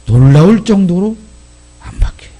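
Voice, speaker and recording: A male pastor giving a sermon in an animated, emphatic way, often putting questions to the congregation. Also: sits high, normal speed.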